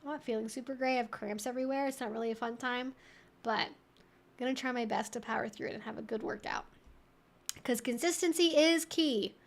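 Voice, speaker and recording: A woman hosting a casual question-and-answer livestream, talking in an animated, emphatic way with conversational asides. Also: fairly high pitch, a little fast. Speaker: livestream host.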